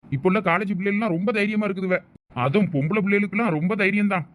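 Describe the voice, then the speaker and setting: A man's voice: high-pitched, fairly bright tone. A man with a Thoothukudi Tamil accent voicing a talkative middle-aged police officer in a cartoon, explaining things at length. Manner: rapid, chatty, explaining at length. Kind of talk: cartoon voice acting.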